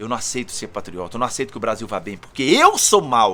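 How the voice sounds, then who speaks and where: A man at a very fast pace and medium pitch, with very wide pitch swings. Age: 60s. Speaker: pastor. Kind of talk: sermon.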